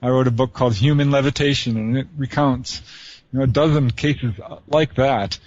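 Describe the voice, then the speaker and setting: A man appearing as an author guest on a call-in radio show, explaining ideas calmly and steadily. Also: mid-range voice, moderate pace, no room sound, highs cut off. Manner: calm explanatory, steady flow.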